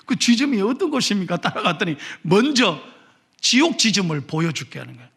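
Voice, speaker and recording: A man with a Gyeongsang accent preaching a sermon, telling stories animatedly and swinging from shouts to whispers. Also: high-pitched, very animated, brisk, gravelly, slightly rough. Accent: Gyeongsang Korean. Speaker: pastor.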